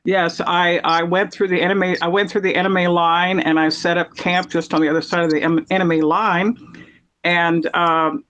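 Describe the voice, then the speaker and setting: A woman's voice: lowish voice, little pitch movement, moderate pace, a bit bright, dull audio. A woman hosting a podcast in a casual, conversational style of chat. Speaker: podcast host.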